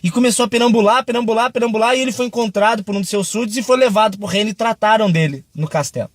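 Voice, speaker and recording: A young Brazilian man who preaches in Christian videos gives a casual devotional talk, chatty and joking, telling a story and acting out its quotes. He has a Brazilian Portuguese accent and a high voice, racing along in a clean studio recording with no room sound.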